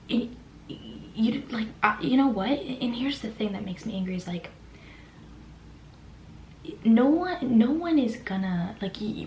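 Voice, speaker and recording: A young woman whispering a personal story in a chatty way, full of "like" fillers. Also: medium pitch. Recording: echoey room with faint hiss.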